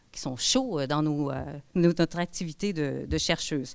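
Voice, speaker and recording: A very clean recording, silent in the background, with speech at a fairly slow speed. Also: woman. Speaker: professor. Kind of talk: conference lecture.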